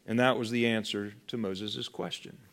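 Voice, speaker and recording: A man preaching a sermon, slow and deliberate, letting his voice drop to a hush on key words. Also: fairly low pitch, steady tone. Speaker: pastor.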